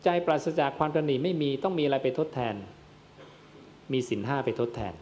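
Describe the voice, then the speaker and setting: A man's voice: a little high, brisk, darkish tone, slight background noise. A man, a Buddhist monk, giving a dharma sermon to lay listeners and posing questions that he answers himself. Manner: addresses listeners as "yom", asks and answers his own questions.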